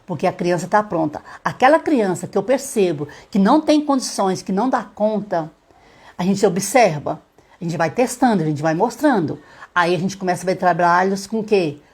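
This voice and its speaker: A woman's voice: mid-range voice, a little mellow, breathy edge. Middle-aged woman, literacy teacher, live-stream lesson, patient step-by-step explainer. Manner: sounds out letters slowly.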